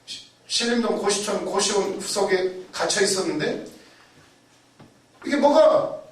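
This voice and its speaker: A man's voice: high voice, measured pace. A man preaching a sermon, telling stories vividly, repeating key words for emphasis and acting out the voices he quotes. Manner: animated storytelling, acting out quoted voices and shouts. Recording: very echoey, mic far off.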